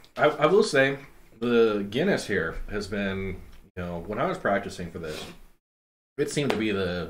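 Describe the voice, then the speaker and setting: With audible room echo, a man speaks at a moderate pace and fairly low pitch, his lively intonation and big swings in loudness broken by long, frequent pauses. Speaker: streamer hosting hot sauce challenge. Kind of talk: casual live stream chat. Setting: live stream.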